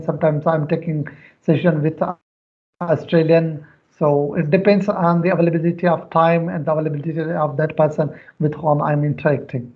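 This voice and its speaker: A Pakistani man, Sindhi by first language, answering questions in careful, earnest English with frequent hesitations. His voice sits notably high. The audio comes over a muffled, lo-fi online call. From Pakistan, near Karachi. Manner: earnest, careful, pausing often with filler sounds. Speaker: guest, schoolteacher. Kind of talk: casual English practice conversation.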